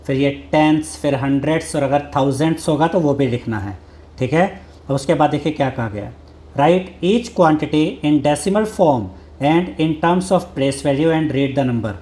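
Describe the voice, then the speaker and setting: A man's voice: a little high, a little mellow. Patient maths teacher, man. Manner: mixes Hindi with English maths terms, reads English textbook lines slowly; patient, repeats each step. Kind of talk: explaining a textbook lesson.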